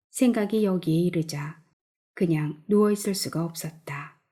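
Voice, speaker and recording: A woman narrating a literary audiobook in a soft, measured way. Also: lowish voice. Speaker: audiobook reader.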